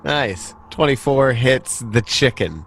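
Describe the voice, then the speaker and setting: A man's voice: mid-range voice, animated, slow, a bit bright, slight background noise. A man casually narrating a tabletop game as game master, in informal, sweary language.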